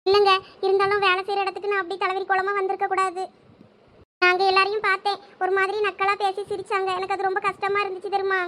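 Very high, bright, quick woman playing a young wife. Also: monotone. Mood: upset. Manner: pleading, emotional. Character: young wife, tearful then shy. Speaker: actor in a village family skit. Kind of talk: village comedy-drama acting.

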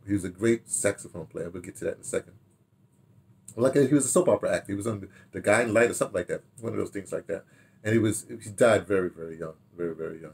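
An American man in his sixties reminisces casually in a rambling, halting way, repeating words and throwing in animated asides, recorded in a home study. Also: deep voice, vocal fry. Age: 60s. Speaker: radio drama director telling his history. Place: small home study, indoors.

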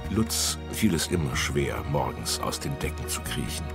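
A man narrating a children's audiobook in a lively storytelling manner. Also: very deep voice, moderate pace, gravelly, music in the background.

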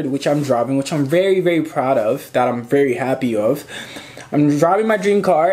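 A man's voice: a little high, darkish tone. Young man, from Zimbabwe, casual rambling vlog talk, small room at home. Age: 20s. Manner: chatty, rambling, gestures with hands, swears casually. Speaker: photographer and YouTuber.

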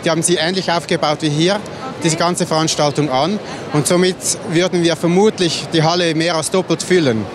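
A man's voice: a little high, steady tone, brisk, crowd noise. Eager man explaining over hall noise. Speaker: live broadcast technician. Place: busy event hall. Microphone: handheld interviewer microphone. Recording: noisy hall background.

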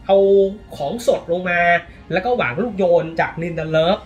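A man from Thailand giving casual, animated football commentary, often exclaiming, with faint music behind him. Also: high voice, moderate pace.

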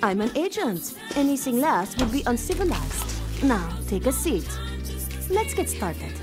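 High, haughty teasing female agent. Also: very animated, unhurried. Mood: brisk, teasing. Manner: teasing, imperious, aloof. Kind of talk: video game cutscene acting. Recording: music behind the voice.

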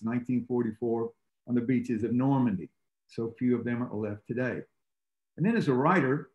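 An older man whose first language is Greek, giving a steady, measured talk as a tour guide and lecturer over a video call. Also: mid-range voice, echoey room, lo-fi sound. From United States.

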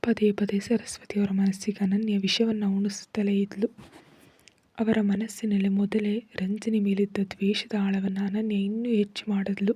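A woman narrating a dramatic family story in a soft, steady whisper. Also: medium pitch, moderate pace, breathy edge.

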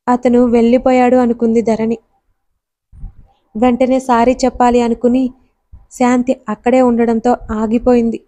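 A woman narrates a story in a measured, scripted reading. Her voice is fairly high yet mellow and dark in tone, and it barely rises or falls.

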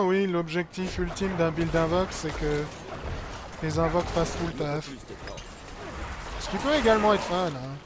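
Higher-pitched man streaming a game. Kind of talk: casual live gameplay commentary. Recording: game sound clearly behind voice. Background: video game noise and ambience.

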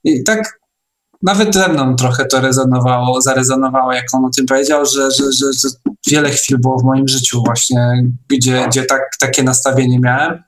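A man talking casually in an online discussion, in a halting way with repeated and restarted phrases. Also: medium pitch, fairly even intonation. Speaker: discussion participant.

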